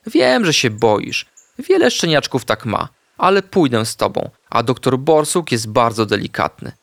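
Man voicing a gentle mother dog. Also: medium pitch, very animated, normal speed, vocal fry, dry recording, studio quality. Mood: soothing. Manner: soft, soothing, reassuring. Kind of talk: storybook character voice.

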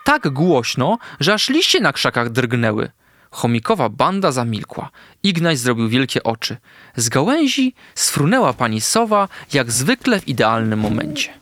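A man narrating a children's storybook in an animated, expressive way. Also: mid-range voice, moderate pace, no room sound. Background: background music.

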